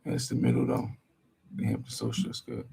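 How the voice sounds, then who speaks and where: A man's voice: fairly quick, dark tone. A man YouTuber giving casual live-stream commentary to his viewers, muttering to himself as he edits at a desk mic. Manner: laid-back, talks to viewers as "y'all", mutters while working.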